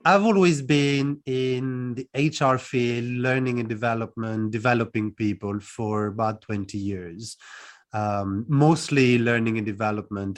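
This is a man, a guest talking about his life and work. He speaks in a measured, reflective and friendly way, at a middle pitch for a man. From France. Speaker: guest, coach. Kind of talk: casual interview.

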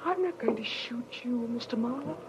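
An actress playing a bitter, half-crazed widow bent on revenge in a 1940s radio crime drama, theatrical, scornful and menacing. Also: female voice, on the high side, expressive, moderate pace, natural voice. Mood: menacing, unhinged. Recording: muffled old radio recording, faint hiss.

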